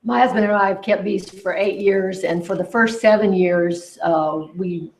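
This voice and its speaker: A woman's voice: mid-range voice, steady tone, normal speed, gravelly, a little mellow. A woman beekeeper on a panel, candidly recounting her own mistake. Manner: candid, self-critical storytelling. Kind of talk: casual panel discussion. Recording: roomy hall echo.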